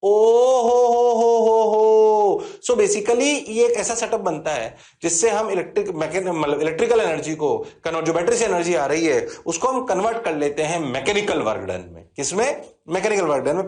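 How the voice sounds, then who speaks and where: A man's voice: on the high side, lively intonation, fairly quick, few pauses. A man with an Indian accent teaching physics in a classroom lecture, repeating key phrases and answering his own questions in his students' voice. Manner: talks to students, answers himself in their voice; repeats key phrases, mixes English terms in.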